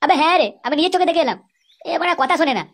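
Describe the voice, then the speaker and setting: A woman voicing an insistent, crude male buddy who tattles in a comedy cartoon, in a processed pitched-up voice. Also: animated, very fast.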